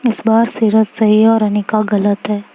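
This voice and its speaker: A woman's voice: mid-range voice, completely flat delivery, a little slow, warm tone, close to an everyday voice, rough recording. A woman voicing an outspoken young woman who lectures and scolds her friends. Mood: lecturing. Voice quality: scolding, emphatic.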